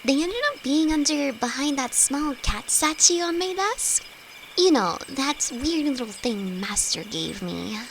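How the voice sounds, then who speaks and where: A woman's voice: high-pitched, lively intonation, a little slow, vocal fry, background noise, heavily acted. A woman playing a timid young apprentice alchemist in an intimate audio roleplay, with nervous, hesitant, stammering delivery and frequent sighs. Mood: apologetic. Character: timid young female apprentice alchemist, easily frightened, sweet best friend. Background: crickets and night forest sounds.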